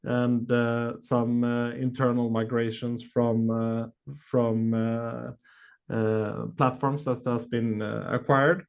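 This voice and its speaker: A man answering questions as a company executive on an earnings call, speaking haltingly with many long filled pauses. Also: mid-range voice, level tone, gravelly, clean tone.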